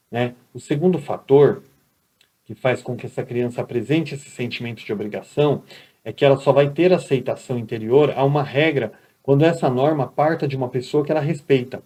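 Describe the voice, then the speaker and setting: Man, Brazilian Portuguese accent, teacher, conversational recorded lecture, mellow warm tone, mid pitch. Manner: conversational, often adds "né?" and "tá?".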